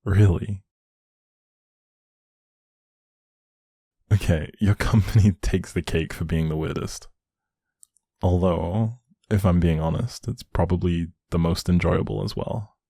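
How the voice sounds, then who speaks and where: A man performs a doting young boyfriend in an intimate audio roleplay, talking one-to-one with gentle teasing and affection. His voice is deep, dark and soft with a husky grain, recorded very dry. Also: steady tone, unhurried, no echo, full character voice. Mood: amused, curious. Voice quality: low, soft, husky, creaky.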